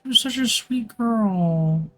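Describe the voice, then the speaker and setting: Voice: medium pitch, animated, slow, soft background music. A streamer giving casual live commentary on a video game, reacting informally and with slangy asides. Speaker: streamer, VTuber.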